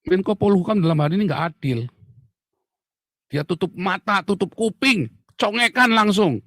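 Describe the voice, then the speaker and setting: Male commentator, fairly high voice, dry close sound, furious shouting rant. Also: animated, moderate pace, dry recording. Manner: shouting, insulting, emphatic repetition. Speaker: online commentator. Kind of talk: angry political rant.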